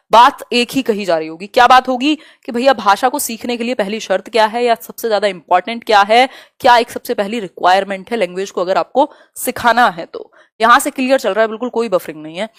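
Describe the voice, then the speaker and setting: Lady teacher doing a live class, kinda high voice, dry close sound, chats with viewers. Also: no echo. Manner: explains in Hindi, reads questions aloud slowly in English; chatty, answers viewers' comments. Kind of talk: live exam-prep lesson.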